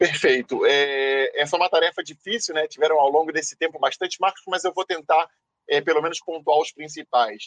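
A man speaks at a fairly quick pace with a Rio de Janeiro accent, his pitch fairly high and its variation ordinary. The sound is dry and close, with no echo. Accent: carioca (Rio). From Brazil, Rio de Janeiro. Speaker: agritech business executive. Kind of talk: interview.

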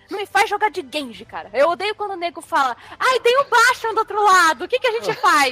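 A woman speaks in a raised, projected voice at an extremely high pitch, with very wide pitch swings and a very fast pace. The sound is dry and close with no echo, though noticeable background noise is present. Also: hardly any pauses. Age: 20s. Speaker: gamer, podcast panelist. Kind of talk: casual chat.

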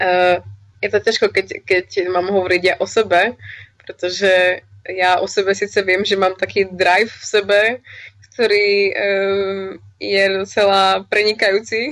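At a fairly slow pace, a woman speaks in a monotone, flat intonation. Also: medium pitch for a woman. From eastern Slovakia (Humenné). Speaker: barista, national barista champion. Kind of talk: interview.

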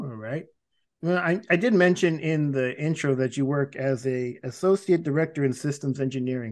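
Pitched fairly high, a man with a plain, everyday voice speaks at a moderate pace. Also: ordinary pitch variation. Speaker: podcast host. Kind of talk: casual interview.

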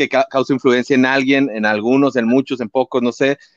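A medium-pitched man's voice with a northern Mexican accent, dry and close with no echo. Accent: northern Mexican (Monterrey). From Monterrey, northern Mexico. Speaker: podcast co-host. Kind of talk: casual interview.

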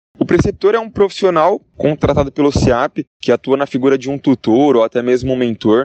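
A man's fairly high voice at a fairly quick pace, with lively intonation, hardly any pauses, and a dry, close sound with no echo. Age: 20s. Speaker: journalism student. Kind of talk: testimony. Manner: articulate.

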